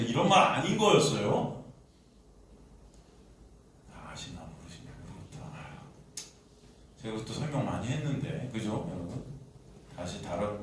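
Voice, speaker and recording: A man's voice: fairly low pitch, background noise. A male pastor delivering a sermon, often asking the congregation questions and reading scripture aloud. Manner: preaching with rhetorical questions to the congregation. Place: church sanctuary. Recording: echoey hall, voice from far off.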